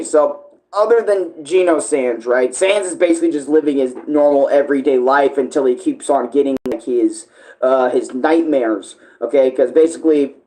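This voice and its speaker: Male streamer, mid-pitched, informal and rambling, halting as he searches for phrasing. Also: warm tone, low-quality recording. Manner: halting, searching for words, self-correcting. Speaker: online video creator and live streamer. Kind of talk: casual rambling livestream chat.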